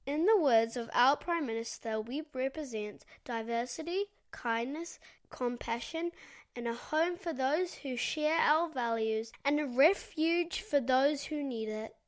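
A woman with a New Zealand accent hosting an interview, reading an earnest scripted intro and asking questions. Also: high voice. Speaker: podcast host, interviewer.

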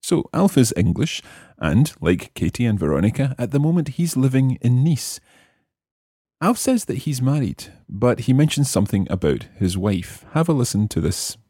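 A man's voice: medium pitch, sing-song, a little slow, mellow, breathy edge, no echo, studio quality. A man hosting a language lesson, explaining and repeating phrases for learners in scripted teaching narration.

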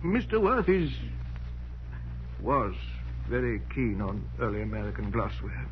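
An actor playing a deferential, precise household servant, speaking politely and gravely in 1940s radio drama style. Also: male voice, lowish voice, sing-song. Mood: grave recounting. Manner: polite, formal, measured. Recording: muffled, noisy 1940s radio recording.

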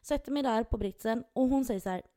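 A young adult woman co-hosting a podcast, telling a story in an animated way and laughing often. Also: a little high. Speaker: podcast co-host. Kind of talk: casual storytelling.

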